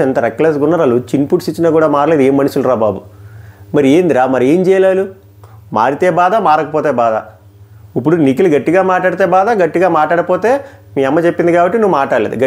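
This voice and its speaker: A man's voice: a little high, darkish tone. A man giving opinionated live commentary on a reality show, firing rhetorical questions and mocking quotes.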